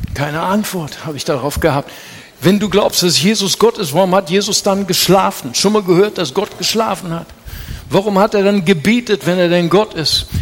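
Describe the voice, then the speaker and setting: There is noticeable background noise behind a man speaking at a moderate pace. His pitch is high, with ordinary variation. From Brazil. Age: 50s. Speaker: pastor. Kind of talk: sermon.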